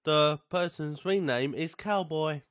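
A man's voice: a little high, slow pace, a bit bright, no echo, studio quality. A man, co-hosting a podcast in a rambling, hesitant way, often trailing off mid-thought. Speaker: podcast co-host. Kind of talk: casual chat.

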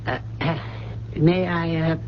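An actor playing a faithful, discreet family butler in a radio drama, speaking in a formal, measured, deferential manner. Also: male voice, a little high, level tone, slight background noise. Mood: formal, soothing. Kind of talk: 1970s radio drama acting. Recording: dull, humming old radio broadcast recording.

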